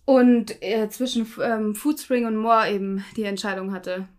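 A woman's voice: mid-range voice, steady tone, unhurried, a little mellow. A woman in her twenties from Munich, a fitness influencer and podcast guest, speaking casually with lots of hesitation. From Munich, Germany. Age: 20s. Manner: hesitant, many fillers and restarts.

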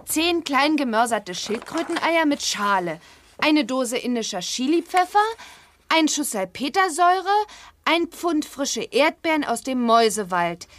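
A woman playing a bright young witch girl in a children's audio drama, enunciating with emphasis as if from a spellbook. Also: high voice, very animated, a little slow, full character voice. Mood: earnest reading. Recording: 1980s audio drama with background noise.

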